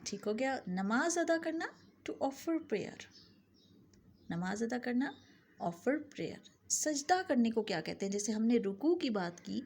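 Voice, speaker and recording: A woman teaching English vocabulary, saying each word pair twice and the English words slowly. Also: a little high, big pitch swings, gravelly, darkish tone, slight background noise. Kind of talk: vocabulary lesson.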